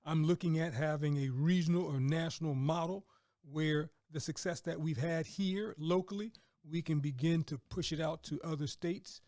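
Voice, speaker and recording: A man's voice: fairly high pitch, normal speed, darkish tone, no echo, studio quality. A middle-aged man hosting a conversational interview, affirming and repeating words and phrases for emphasis. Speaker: podcast host and business mentor.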